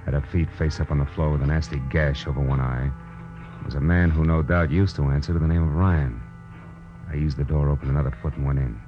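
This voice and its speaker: A low-pitched American private eye talks and narrates in hard-boiled, clipped slang. He is tough and quick with a wisecrack, in the manner of 1940s radio drama. The recording is muffled and old, with music behind him. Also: fairly even intonation. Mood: wry narration.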